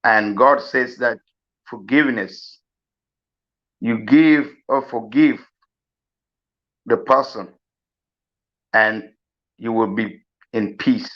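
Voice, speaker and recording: A man from South Sudan giving a slow, earnest farewell address, pleading with many pauses. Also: medium pitch. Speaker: mourner giving a eulogy. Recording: dull lo-fi recording.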